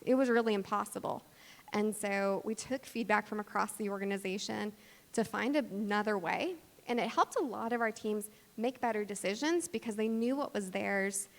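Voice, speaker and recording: Woman presenting in a very echoey hall. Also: medium pitch. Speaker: conference speaker, cloud cost practitioner. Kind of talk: conference presentation, explanatory. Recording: long hall reverb.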